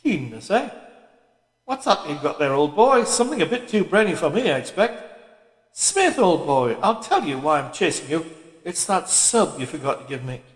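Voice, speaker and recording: A man's voice: on the high side, big pitch swings, moderate pace. A man voicing a boisterous, cheery middle-aged party busybody in an audiobook, hearty, matey and full of exclamations. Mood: jovial, matey. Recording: echoey room with long reverb.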